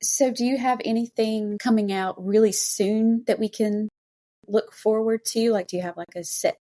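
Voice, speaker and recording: A woman's voice: a little high, fairly even intonation, moderate pace, dark tone. A woman hosting a podcast, chatting casually and effusively with a guest. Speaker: podcast host. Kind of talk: casual interview chat.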